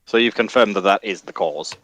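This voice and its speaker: Deep man chatting. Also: brisk, a bit bright, no echo. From North East England. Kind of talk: casual chat.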